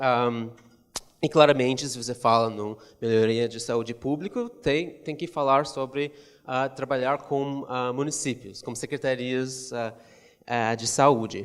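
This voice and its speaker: Someone with a non-native accent speaks at a fairly slow pace with fairly even intonation. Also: man, medium pitch for a man. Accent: foreign accent in Portuguese. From Canada, Russian-born. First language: not Portuguese (Russian or English) (speaking Portuguese). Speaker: social entrepreneur. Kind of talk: panel talk at a seminar. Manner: halting, many fillers.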